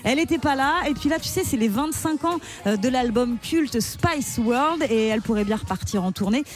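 A woman's voice: on the high side, lively intonation, normal speed, faint music behind. Chatty female radio co-host. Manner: chatty, laughs easily. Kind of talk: radio news roundup. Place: radio studio.

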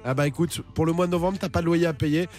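A man's voice: a little high, fairly even intonation, a little mellow, soft background music. A male radio host joking through studio banter, running a call-in game while losing his voice. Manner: joking, fast-talking.

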